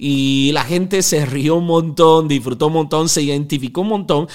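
An energetic young man with a Costa Rican accent hosts a casual podcast. His voice sits a touch high for a man, and he talks in a restless, upbeat way, laughing at his own jokes. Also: normal speed. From Costa Rica. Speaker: podcast host.

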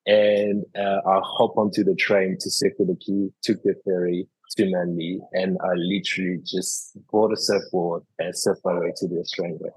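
Deep, flat-voiced man telling stories. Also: slightly rough, no room sound, low-quality recording. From France. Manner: halting, many fillers and restarts. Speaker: podcast guest, cooking school founder. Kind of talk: casual interview storytelling.

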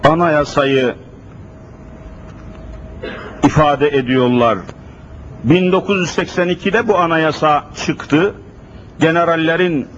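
High-voiced man preaching at a pulpit mic. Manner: emphatic, repetitive rhetorical questions. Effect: speaking at a pulpit microphone. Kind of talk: sermon. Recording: dull lo-fi recording with faint hiss.

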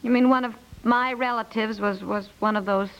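An actress playing a chatty, flustered American housewife in a naturalistic 1950s radio comedy. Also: female voice, fairly high pitch, fairly even intonation, moderate pace, fairly bright tone. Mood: dismayed. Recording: dull 1950s radio recording.

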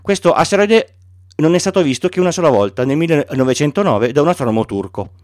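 Man, podcast host, reading a story aloud, animated pitch, dry close sound. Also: fast talker, dry recording. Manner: stumbling restarts, unpolished reading.

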